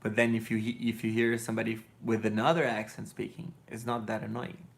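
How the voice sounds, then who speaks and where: A man in his thirties, a native Portuguese speaker with a Brazilian accent, answers chat on a live stream from a living room with a couch and colored lights. Sleepy and blunt, he rambles loosely, digresses, and corrects himself. His voice is lowish with vocal fry, little pitch movement, and a slightly fast pace.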